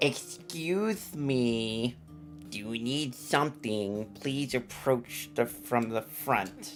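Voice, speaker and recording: A robotic put-on character voice at a low-to-middle pitch moves at a very slow pace over clear music in the background. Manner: funny robotic.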